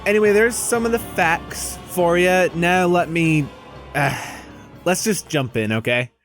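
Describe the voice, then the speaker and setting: A man's voice: sits high, unhurried, a bit bright, faint music behind. A man narrating a video game review in a casual, scripted style, blunt and casually profane.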